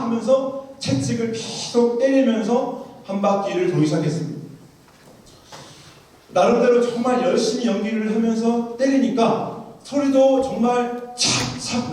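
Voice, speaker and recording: A man's voice: high voice, a little mellow. A man preaching a sermon, telling a story vividly and acting out the lines of the people in it. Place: large church sanctuary. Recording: echoey church hall, voice from far off.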